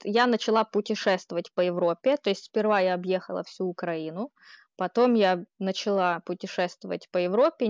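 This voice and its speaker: A woman's voice: medium pitch, dry recording. Chatty Ukrainian-accented woman, muffled audio. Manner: laughs often while speaking, warm and chatty. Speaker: guest. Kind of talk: casual conversational interview.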